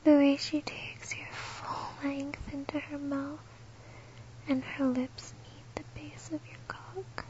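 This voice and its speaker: A woman whispering slowly and intimately, close to the listener, in an erotic audio. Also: high-pitched, level tone, a little mellow, muffled recording. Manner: slow, breathy, close whisper.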